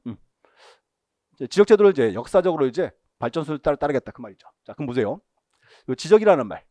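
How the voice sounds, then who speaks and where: A man lecturing for an exam-prep course, his pitch rising and falling a lot as he poses questions and answers them. His tone is warm and mellow and a little high for a man. The recording is dry and close, with little room sound. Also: no echo. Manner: repeats key terms, tells students what to mark.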